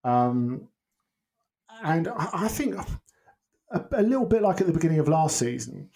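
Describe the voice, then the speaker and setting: A man's voice: on the high side, sing-song, normal speed, gravelly, mellow. A man giving casual football analysis on a podcast, thinking aloud with frequent restarts and ums. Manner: hesitant, many restarts and ums. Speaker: football pundit guest.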